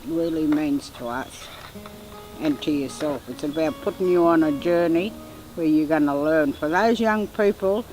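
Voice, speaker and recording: A woman's voice: low-pitched, measured pace. An older Australian woman, an Aboriginal elder, telling her story steadily and earnestly in a documentary interview. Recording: echoey hall with soft music.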